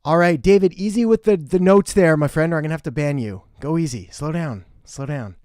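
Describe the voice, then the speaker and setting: A man's voice: on the high side, a little fast, a little mellow, dry recording, studio quality. Upbeat man hosting a live Q&A. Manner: chatty, greets viewers by name; direct, gives blunt advice. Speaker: marketing host. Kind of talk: live-stream Q&A, casual chat. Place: home in western Canada.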